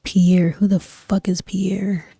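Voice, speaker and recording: A young woman streamer chatting casually while she plays, in a soft-spoken, breathy, near-whispered voice that rambles with lots of fillers. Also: mid-range voice, slow pace, no room sound. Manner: rambling, relaxed, frequent fillers and slang. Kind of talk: casual chat while gaming. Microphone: desk microphone.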